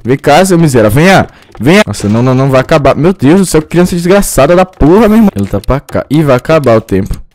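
A man with a sore throat, swearing and yelling through casual game commentary. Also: fairly high pitch, sing-song, quick pace, slight background noise. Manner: swears a lot, yells and shrieks when caught. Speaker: gamer. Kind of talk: casual let's-play commentary.

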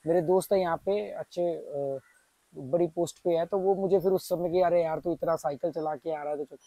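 A man's voice: a little high, fairly even intonation, moderate pace, dark tone, no room sound, rough recording. Chatty man with a sore throat. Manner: chatty, explains step by step with many fillers. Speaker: travel vlogger. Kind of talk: casual vlog talk to camera. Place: outdoor garden patio. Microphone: small clip-on mic on shirt.

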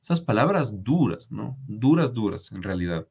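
A man's voice: lowish voice, big pitch swings, normal speed, vocal fry, darkish tone, slightly rough. A man giving a religious commentary on a letter. He is emphatic and repetitive, addresses his viewers directly and asks them to comment. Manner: emphatic repetition, frequent restarts. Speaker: preacher.

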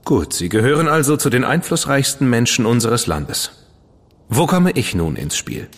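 An actor playing a witty, defiant dandy with a sarcastic, cheeky manner. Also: male voice, medium pitch, very animated, long reverb tail. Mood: sardonic. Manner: sarcastic, quick-witted, cheeky. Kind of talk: radio play acting.

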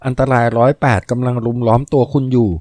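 A man's voice: medium pitch, level tone, quick pace, darkish tone, dry recording, lightly acted. A man voicing a polite young woman who warns someone of danger over the phone. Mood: urgent warning. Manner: polite and earnest.

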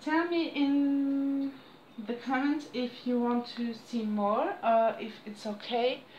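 A woman in her thirties with a French accent, chatting to camera at home in halting English, losing her voice. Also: high-pitched, steady tone, darkish tone, reverberant, dull audio, slight background noise. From France. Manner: halting non-native English with frequent restarts and apologies. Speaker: crafts vlogger. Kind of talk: casual chat to camera. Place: small room indoors at home. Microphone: camera on a desk close by.

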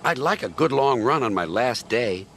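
A man voicing a cheerful, eager small male steam engine with a bright, keen manner. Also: mid-range voice, lively intonation, moderate pace, slight background noise.

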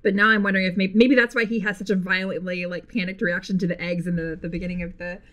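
A woman writer giving casual commentary, animated and musing as she talks. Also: on the low side, fast.

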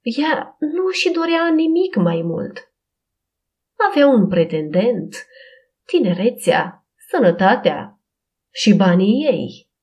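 A woman narrating a Christian audiobook in a steady, expressive reading style. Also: on the high side, highs cut off.

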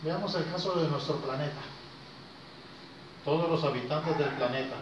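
A man, giving an informal lecture to a small class in an unhurried way, with pauses and questions to his listeners. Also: fairly high pitch, distant mic. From Costa Rica. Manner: unhurried, pausing between short phrases, questioning listeners. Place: small indoor classroom with whiteboard. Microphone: handheld camera a few metres away. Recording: very echoey, noisy, muffled room recording from afar.

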